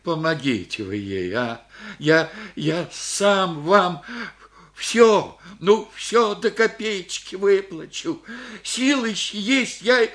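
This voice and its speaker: A man's voice: sits high, lively intonation, fairly bright tone, full character voice. An actor playing a humble, pleading old village father who speaks a rustic Russian village dialect in a radio play. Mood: resigned. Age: older. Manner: rustic old-fashioned village speech, halting. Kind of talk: Soviet radio play acting.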